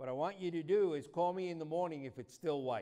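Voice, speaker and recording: The voice has a dark, mellow tone and a New York accent. Its intonation is lively, and the pace is fairly quick. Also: man. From New York City. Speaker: entomologist and speaker. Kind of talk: lecture to live audience. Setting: stage with audience.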